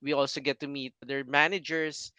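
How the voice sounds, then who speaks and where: A man's voice: mid-range voice, flat delivery, moderate pace, pushed and bright, smooth, no echo. A man, a banking guest earnestly explaining sales in a casual interview.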